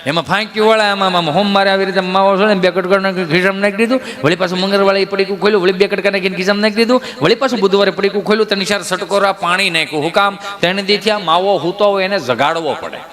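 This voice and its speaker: A man's voice: sits high, racing, few pauses, fairly bright tone. A man telling folk comedy stories on stage, acting out the villagers in his tales with shifting voices. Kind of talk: stand-up folk comedy storytelling.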